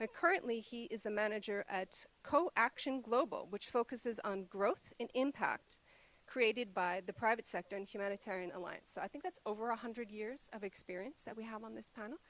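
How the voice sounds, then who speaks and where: Heard in a dry, close recording with no echo, a woman with a normal speaking voice and an American accent talks at a fairly quick pace with a fairly high pitch, ordinary pitch variation, and big swings in loudness. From US, California. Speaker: panel moderator. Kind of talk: panel moderation.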